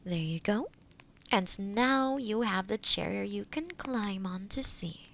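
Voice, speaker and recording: A woman playing a kind, gentle forest witch in an audio roleplay, speaking softly and soothingly to the listener. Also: mid-range voice, lively intonation, slow, gravelly, exaggerated voice. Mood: patient, reassuring. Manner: soothing, caring, softly breaking into whispers. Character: kind, gentle forest witch who loves helping others.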